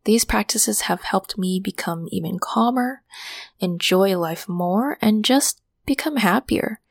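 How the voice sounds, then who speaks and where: A woman hosting a meditation podcast, guiding listeners gently through breathing and affirmations in a calming voice, with some cues softly whispered. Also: mid-range voice, slow pace, gravelly, no echo, clean studio sound. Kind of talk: guided meditation.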